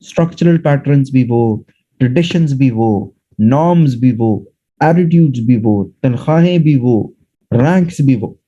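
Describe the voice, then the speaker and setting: A man's voice: medium pitch, lively intonation, a little slow, dark tone, highs cut off. A man teaching a classroom lecture, explaining step by step and often checking that students follow. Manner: explanatory, asks students rhetorical check questions. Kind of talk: classroom lecture mixing Urdu and English.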